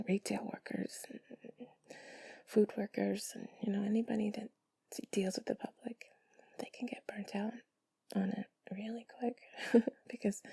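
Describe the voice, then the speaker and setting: A woman speaks in a soft, breathy whisper with a low-lit, mellow tone and a creaky edge. She rambles in an intimate, soothing, confiding ASMR manner, very close to the mic in a dry space. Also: no echo. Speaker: intimate comfort audio creator. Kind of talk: cuddly whispered ASMR talk to the listener.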